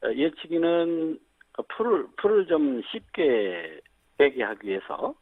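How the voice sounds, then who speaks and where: A man calls in to a radio program and explains practical advice in a steady, methodical way, pausing often with "uh." His voice is slightly husky and lively in pitch. The sound is thin and phone-like. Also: dry recording. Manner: explanatory, steady, frequent fillers. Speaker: agricultural agency team leader. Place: on a phone call. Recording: phone line.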